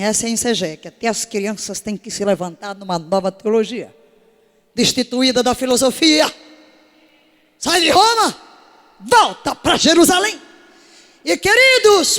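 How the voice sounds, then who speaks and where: A woman's voice: sits high, a bit bright, in a large hall. A woman preaching a sermon to her congregation in an emphatic way, full of rhetorical questions. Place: church service.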